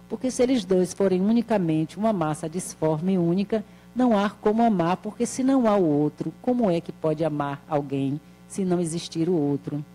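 A woman in her sixties giving a spiritual lecture, seated at a table in a small hall and speaking into a handheld mic in a calm, measured, explanatory way, with rhetorical questions. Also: lowish voice.

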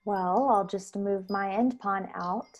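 A young woman acting a composed, devoted lower-caste starship attendant in a radio play, measured and formal in both dialogue and narration. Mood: calm, deferential. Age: young adult. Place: bedroom, over a video call.

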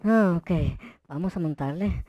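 A man voicing an excitable, mischievous, foul-mouthed young Minecraft noob, exclaiming and muttering to himself as he plays. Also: high voice, measured pace, no room sound, lo-fi sound. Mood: scheming. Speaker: gaming video host. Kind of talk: roleplay gameplay commentary.

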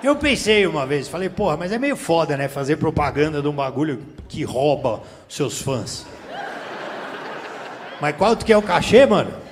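A man's voice: on the high side, sing-song, moderate pace. A man from Brazil doing a stand-up comedy set on a theater stage with a handheld mic, teasing the crowd in profane slang. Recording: reverberant theater, faint room noise. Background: audience laughter.

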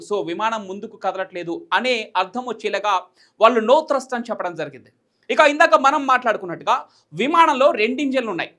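A man's voice: extremely high pitch, pushed and bright. A man with a Telugu accent presenting news commentary, explaining and rephrasing points in everyday terms with English words mixed in.

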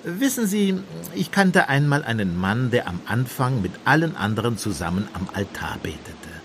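An actor playing a gentle, shrewd priest-detective in a German radio play, speaking in a musing, deliberate, softly pointed way. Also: male voice, medium pitch, big pitch swings, slight background noise. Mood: grave, pointed. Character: gentle, shrewd priest-detective, mild-mannered, quietly probing.

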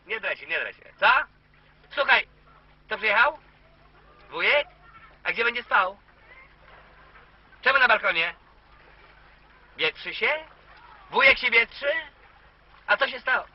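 High squeaky mummy's boy, naggy and repeaty on the phone, dull lo-fi tape. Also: no room sound, exaggerated voice. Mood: doting. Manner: fussy, repeating himself, nagging down the line. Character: grown man, a mummy's boy, on the phone to his mother. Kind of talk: cabaret sketch. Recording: dull lo-fi recording.

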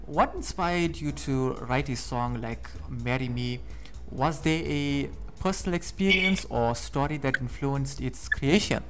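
A man's voice: medium pitch, a little slow, music in the background. A man hosting a radio interview, putting questions to his guest.

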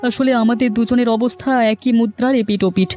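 A man voicing a whining, self-pitying cartoon schemer who has been brought low. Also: steady tone, a little fast, darkish tone, faint music behind. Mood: sorry, bitter. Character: whining, town-educated male schemer, later regretful beggar.

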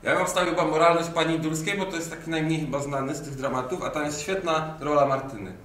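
A man's voice: on the high side, fairly even intonation, fast, a bit bright. A young man chatting casually and jokingly as a co-host, irreverent and given to swearing. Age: young adult. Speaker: co-host promoting audio dramas. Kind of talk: casual jokey chat. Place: indoor green-screen studio at a table. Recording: roomy, distant mic with background noise.

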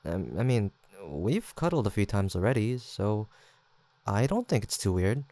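A man's voice: fairly low pitch, very animated, unhurried, warm tone, no echo. A young man acting an easygoing, teasing, affectionate student roommate in an intimate, casual roleplay audio drama, with hesitant banter. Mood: gentle, shyly caring. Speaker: voice actor.

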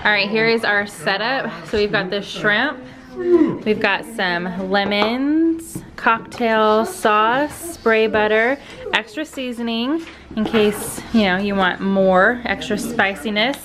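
A woman's voice: mid-range voice, takes it slowly. A woman in her thirties chatting casually to her viewers while filming a cooking vlog on an outdoor deck. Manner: chatty, addresses viewers as "you guys". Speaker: vlogger.

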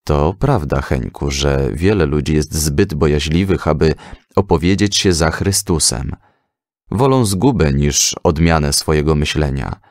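A man voicing a calm, devout father who patiently and assuredly teaches his son in a children's story. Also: rumbling low, a little slow, no room sound, clean studio sound. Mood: earnest, instructive. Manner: patient, didactic.

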